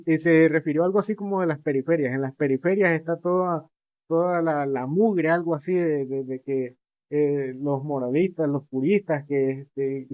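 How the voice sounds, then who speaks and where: Young male co-host, higher voice, hesitant storyteller with dry asides; dry close mic. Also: dry recording, muffled recording. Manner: rambling, hesitant, many fillers and restarts, wry asides. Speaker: podcast co-host. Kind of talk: casual podcast discussion.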